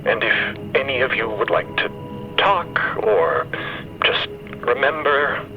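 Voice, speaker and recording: Slow, composed, eloquent eulogist. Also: male voice, medium pitch, big pitch swings, muffled recording, over music. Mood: consoling, solemn. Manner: measured, deliberate, articulate oratory. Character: composed, eloquent crew member, gentle grieving eulogist. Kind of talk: acted audio drama monologue.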